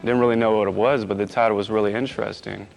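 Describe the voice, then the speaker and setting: A man's voice: on the low side, steady tone, fast, creaky, a little mellow, faint music behind, low-quality recording. A young man being interviewed, giving a casual personal account in a conversational way.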